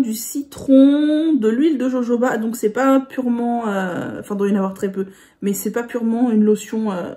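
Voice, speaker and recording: A woman's voice: on the high side, warm tone. A woman vlogger chatting casually about products, rambling with many hesitations.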